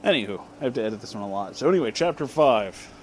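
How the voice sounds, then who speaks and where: A man giving a comic dramatic reading, deliberately enunciating garbled words and dropping in casual asides. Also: medium pitch, lively intonation, a little hiss or hum. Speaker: reader and commentator of bad fan fiction.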